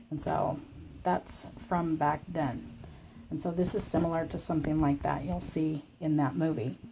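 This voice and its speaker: A woman with a scratchy, croaky voice from illness, hosting a crafting channel. She gives a rambling, chatty personal update from her home craft room. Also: low-pitched, dark tone. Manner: rambling and chatty, with many fillers. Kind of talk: casual personal update chat.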